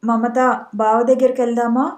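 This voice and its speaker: A woman voicing a gentle, helpless father who speaks softly and coaxingly. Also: fairly high pitch, flat delivery, normal speed, roomy sound, lightly acted. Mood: worried.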